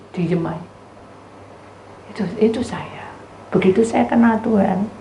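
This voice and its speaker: A woman pastor with an East Javanese lilt preaches in an animated, storytelling sermon, her pitch leaping high and dropping low. The recording sounds roomy and echoey, with a faint hum of ambience behind her. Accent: East Javanese Indonesian. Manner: animated storytelling, addresses listeners as "saudara".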